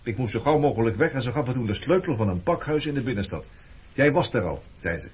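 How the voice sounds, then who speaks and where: A man's voice: medium pitch, animated, quick pace, husky. An actor playing a reserved, evasive former resistance man in a Dutch radio play, talking in a guarded way. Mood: reflective. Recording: muffled, noisy old radio recording.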